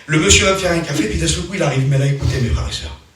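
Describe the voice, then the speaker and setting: Guy preaching a sermon, high voice, keeps repeating himself, big echo, mic far away. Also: racing, a bit bright, slight background noise. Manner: emphatic, repetitive storytelling with restarts. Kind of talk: sermon told as a personal story. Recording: very echoey hall, mic far off.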